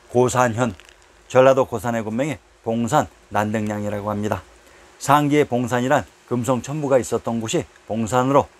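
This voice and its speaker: Guy reading out a history script, calm and even, goes through place names one by one like a list. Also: mid-range voice. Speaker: narrator of history videos. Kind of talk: scripted narration read from a text.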